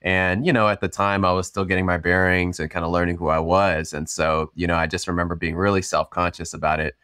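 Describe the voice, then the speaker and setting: Man, very low voice, relaxed guest storytelling, lots of fillers, dry studio sound. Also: brisk, clean tone, no echo. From Cameroon. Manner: relaxed, conversational, frequent ums and you-knows. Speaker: guest, startup founder. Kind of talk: casual storytelling interview.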